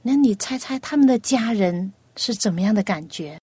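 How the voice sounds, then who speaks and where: A woman hosting a children's radio program, asking a young guest patient, coaxing questions and telling a gentle story. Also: on the high side, expressive, moderate pace, slightly rough, no room sound.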